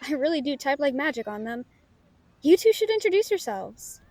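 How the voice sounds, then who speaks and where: A woman's voice: high-pitched, very animated, normal speed, darkish tone, no echo. A woman playing a casual, friendly female novelist in an audio drama, with an informal, slightly hesitant way of talking. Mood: chatty, bemused. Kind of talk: naturalistic audio roleplay acting.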